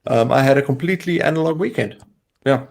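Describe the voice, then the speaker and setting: A man, an Afrikaans speaker, co-hosts a tech stream in relaxed, easygoing chat. His mid-pitched voice has a gravelly fry, and he fills the gaps with short agreeing murmurs. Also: fast.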